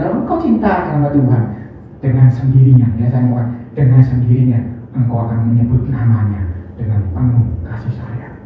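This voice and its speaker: A preacher delivers a lively sermon, firing off rhetorical questions. The voice rings through a very echoey hall from a distance. The mic sounds dull and muffled, with faint ambience behind. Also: mid-range voice, a little hiss or hum. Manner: animated, rhetorical questions, acts out dialogue.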